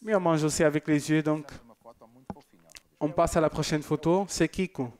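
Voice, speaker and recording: A man's voice: on the high side, fairly even intonation, moderate pace, darkish tone. A man presenting a church TV program, reading out viewer messages in a chatty, joking way with loose asides. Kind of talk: casual broadcast chat reading viewer messages.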